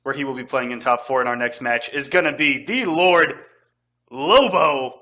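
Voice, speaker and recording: A man calling fighting game matches play-by-play, excitable and quick to yell at big damage. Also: mid-range voice. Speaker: esports commentator.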